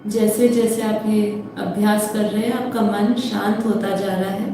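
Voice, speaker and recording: A woman leading a guided meditation, giving calm, unhurried instructions with drawn-out, repeated phrases. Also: medium pitch. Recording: very echoey, distant mic, faint background noise.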